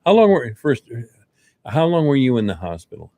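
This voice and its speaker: A man's voice: mid-range voice, very animated, moderate pace, mellow, dry recording. An American man hosting a casual interview in a teasing, jokey manner. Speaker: interview host.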